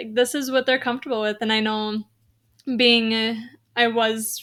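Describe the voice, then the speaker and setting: At a moderate pace, the speaker talks in a normal speaking voice. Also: woman. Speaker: speech therapist podcast host. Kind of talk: podcast interview host. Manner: casual, chatty.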